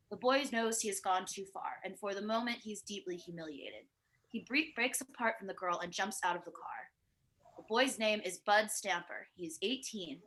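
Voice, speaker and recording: A woman's voice: medium pitch, bright, forceful tone, poor audio. A woman narrating a screenplay, reading out scene headings and stage directions for a table read. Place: remote virtual table read.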